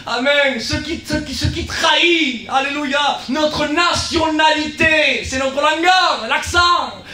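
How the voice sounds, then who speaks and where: A man with a southern French accent preaches with real fire, his voice sitting very high and ringing bright. He swings between shouted lines and softer, confiding asides, often repeating a word before pushing on. He is heard from some distance in an echoey church. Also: slow pace. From South of France. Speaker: guest pastor. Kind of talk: sermon. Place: church hall.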